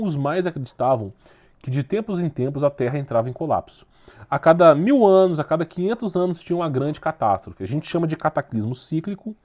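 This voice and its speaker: A man with a somewhat high-pitched voice delivers an informal lecture. He talks emphatically and insistently, often tossing in short checks to make sure the listener follows. He grows more forceful as he presses his points. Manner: rises in force when making a point. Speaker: teacher of esoteric history.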